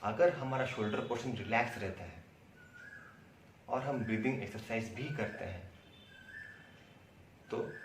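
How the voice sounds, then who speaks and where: A man with an Indian accent giving an instructional lecture, explaining things by asking questions and answering them himself. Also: on the low side. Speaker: acting instructor. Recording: roomy echo, distant mic, faint noise.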